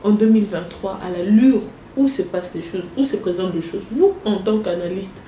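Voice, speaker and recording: A woman's voice: medium pitch, dark tone. A woman interviews a guest. She asks long, probing questions, stumbling and restarting as she goes. The room is echoey, with faint noise underneath. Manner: probing, halting with restarts, mixes French and Lingala.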